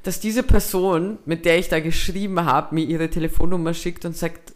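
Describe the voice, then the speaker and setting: A woman's voice: on the low side, steady tone, moderate pace. A young woman with a Viennese Austrian accent, co-hosting a podcast. She tells a story in casual chat, swears freely, drops English slang and acts out both sides of the dialogue. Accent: Viennese Austrian German. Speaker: podcast co-host.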